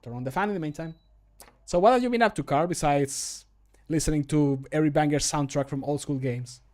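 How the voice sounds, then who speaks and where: Man, thirties, slightly high voice, casual streamer chat, jokey, self-deprecating, swears freely. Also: fairly quick, a little mellow. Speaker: streamer recording mod voice lines. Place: indoor home room.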